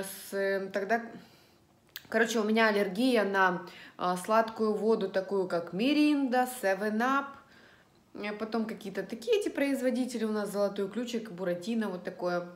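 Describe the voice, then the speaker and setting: A middle-aged woman vlogger chatting casually and ramblingly to her viewers about everyday things while eating at home. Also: mid-range voice. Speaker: lifestyle vlogger. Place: indoors at home in an echoey room. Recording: roomy, echoing indoor sound.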